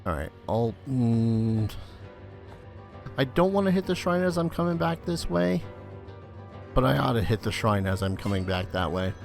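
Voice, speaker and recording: Over video game music, a let's play host gives casual commentary, muttering asides, swearing mildly and sometimes reading game text aloud. His medium-pitched voice is creaky with big pitch swings, at a moderate pace with frequent pauses.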